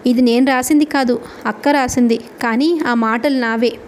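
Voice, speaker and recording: A woman's voice: on the high side, steady tone, moderate pace, a little hiss or hum, close to an everyday voice. A woman reading the lines of an earnest, anxious young man confiding in a friend, in her own voice. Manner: plain read-aloud dialogue.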